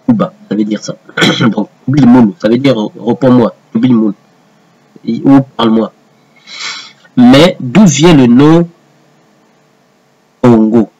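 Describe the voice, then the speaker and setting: A man's voice: medium pitch, darkish tone, slightly rough, highs cut off. A man commenting on a text he reads aloud to viewers, hesitant with many fillers and restarts. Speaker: host reading and rebutting a text. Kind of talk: casual commentary reading aloud.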